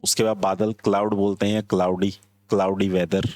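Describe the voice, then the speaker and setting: A man's voice: on the low side, little pitch movement, a little fast, darkish tone, no echo. A man teaching English vocabulary in Hindi, explaining word by word and mixing in simple English phrases with an Indian accent. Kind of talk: classroom vocabulary lesson.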